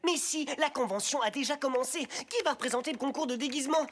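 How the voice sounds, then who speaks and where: A woman's voice: sits high, fast, close to an everyday voice. A woman playing an eager, worried young superhero sidekick in a French cartoon dub. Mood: worried, complaining. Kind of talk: French-dubbed animated cartoon acting.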